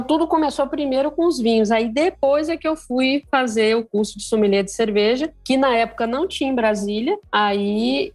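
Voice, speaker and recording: Woman guest, Brazilian, easygoing storyteller, middle pitch, rambling and conversational. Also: darkish tone. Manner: storytelling, many "então" fillers. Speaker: guest sommelier. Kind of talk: casual podcast chat.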